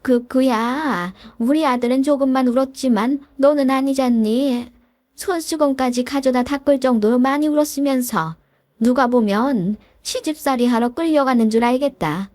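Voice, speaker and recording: A woman's voice: high voice, normal speed, no room sound, studio quality, lightly acted. A woman voicing a stern, reproachful middle-aged mother-in-law in a read story. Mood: scolding. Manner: reproachful, sharp questioning.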